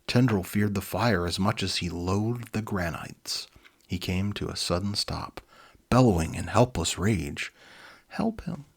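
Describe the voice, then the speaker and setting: Man, low husky voice, storybook narration, casual asides, easygoing. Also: measured pace. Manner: easygoing, informal. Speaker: storybook reader and presenter. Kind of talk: dramatic reading with casual asides.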